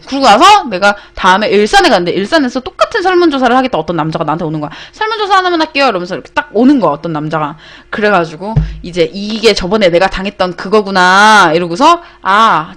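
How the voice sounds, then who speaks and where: A young woman streamer telling a story to her viewers in a casual, animated way, swearing freely and breaking into loud bursts. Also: medium pitch. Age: young adult. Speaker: internet broadcaster.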